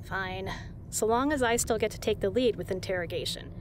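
A woman's voice: mid-range voice, fairly quick, close to an everyday voice. Woman acting a tough, caring female spy, noisy recording. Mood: flirty, confident. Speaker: voice actor in a fan audio drama. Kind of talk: audio drama acting, intimate.

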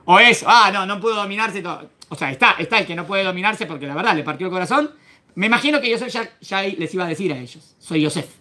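A man's voice: sits high, lively intonation, fast, bright, forceful tone. A man teaching a Torah class as a rabbi, quizzing his students and acting out the verses. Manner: questions the class and acts out the verses.

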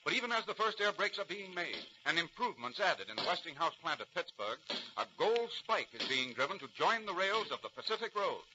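A man's voice: high voice, sing-song, fairly quick, background noise. An American man narrating in a stirring, declamatory 1940s radio drama style. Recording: muffled 1940s radio recording.

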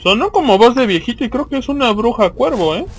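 A man's voice: extremely high pitch, expressive, fast talker. A man with a Mexican accent giving casual, slangy, profanity-laced commentary as he plays a video game.

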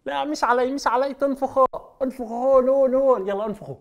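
A man's voice: extremely high pitch, fast. A man, presenting magic tricks to children and leading them in call-and-response. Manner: coaxing, call-and-response with children, playful exclamations. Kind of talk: lively children's show presenting.

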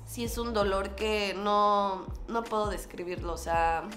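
A Mexican woman vlogger telling a personal story in a casual, animated way, acting out quoted dialogue. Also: medium pitch, a little slow, echoey room, soft background music. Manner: animated, acts out quoted dialogue with lots of fillers.

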